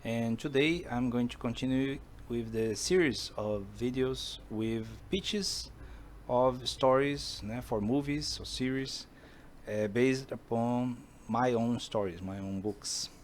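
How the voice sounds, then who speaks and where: A Brazilian man whose first language is Portuguese speaks English to the camera with a Brazilian Portuguese accent, pitching a film adapted from his own books. It's a casual monologue, and he pauses often to hunt for words. There's a faint hiss or hum in the recording.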